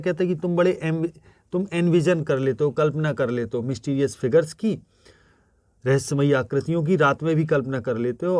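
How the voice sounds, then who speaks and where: Hindi-speaking teacher, slow explanations. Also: male voice, on the high side, darkish tone, no room sound. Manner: reads English lines slowly, then explains them. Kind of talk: line-by-line English lesson explained in Hindi.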